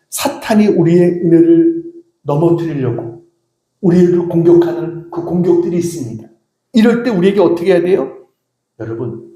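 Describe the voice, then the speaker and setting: High-voiced pastor preaching in an echoey hall. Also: male voice, warm tone. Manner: earnest preaching, quoting cries with rising emphasis. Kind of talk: sermon.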